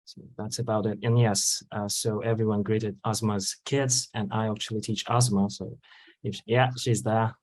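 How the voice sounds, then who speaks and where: A man from Russia, a teacher, introducing himself in a relaxed way on a video call. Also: on the low side, normal speed, low-quality recording.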